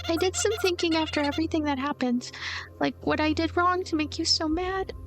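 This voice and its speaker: Woman voicing a high-pitched, timid, sweet nun girl. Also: fairly quick, over music. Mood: tearful apology. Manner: stammering, apologetic, pleading. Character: timid, tearful, sweet young nun girl, earnest and naive. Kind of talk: acted reading of a visual novel.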